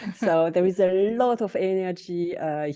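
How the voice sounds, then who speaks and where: This woman's dark, mellow tone comes through over a quiet background. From France. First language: French. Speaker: career coach. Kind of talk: casual chat. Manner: halting.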